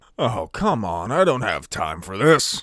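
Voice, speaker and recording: A man speaks in a put-on character voice, raspy and medium in pitch, at a fairly slow pace with very wide pitch swings, on a very clean recording with a silent background. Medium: read story. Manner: gruff, sardonic, offhand.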